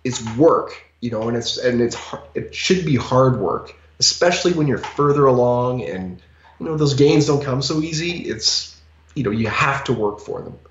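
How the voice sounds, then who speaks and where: A man's voice: medium pitch, moderate pace. A man in his forties co-hosting a fitness podcast, talking emphatically with lots of "you know" fillers, over a headset on a video call. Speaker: podcast co-host. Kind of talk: casual podcast chat. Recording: echoey, slightly dull call audio.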